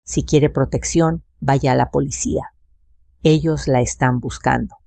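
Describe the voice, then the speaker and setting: A narrator voicing a calm older man who speaks with firm, almost military authority, in a dark, gravelly tone. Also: extremely low pitch, unhurried, dry recording, full character voice. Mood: commanding.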